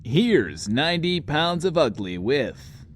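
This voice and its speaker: An actor playing a flamboyant, self-important joker of a radio DJ in an audio drama, with theatrical wordplay. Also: male voice, fairly high pitch, very animated, slow pace, a little hiss or hum. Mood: jaunty, showy. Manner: hesitant stammers, theatrical wordplay. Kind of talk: in-world radio show host in an audio drama.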